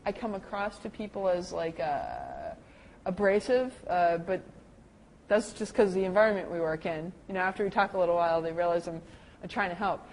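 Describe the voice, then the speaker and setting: A middle-aged woman teaching a lecture to caregivers on dementia care, talking lively and acting out the people she quotes. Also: normal speed, slight background noise, poor audio. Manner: lively, acts out quoted people with big pitch jumps.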